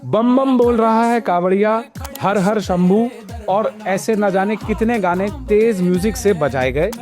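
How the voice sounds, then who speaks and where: A man's voice: high voice, measured pace, a little mellow. A man narrating a scripted news report as a reporter, explaining and posing pointed questions. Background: background music.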